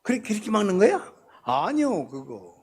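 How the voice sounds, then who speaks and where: An older man preaches at a church prayer meeting. His voice is somewhat husky, and his pitch moves around a lot. He speaks in a colloquial way, pressing hard on some phrases and dropping others almost to a murmur. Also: wildly swooping pitch, normal speed. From Korea. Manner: colloquial, swings between loud emphasis and soft asides. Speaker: pastor. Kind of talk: sermon.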